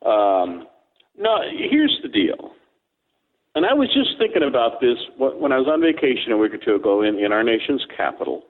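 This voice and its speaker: Man, rambling joker, lively swooping voice, on the phone, tinny. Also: mid-range voice, normal speed. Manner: rambling, joking storyteller. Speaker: co-host. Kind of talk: casual radio talk.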